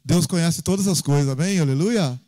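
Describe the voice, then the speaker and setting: Pastor brasileiro de voz quente. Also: male voice, on the high side, a little fast, dry recording. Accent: Brazilian Portuguese. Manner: lively storytelling with frequent tag questions. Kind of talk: informal sermon with personal stories. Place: church.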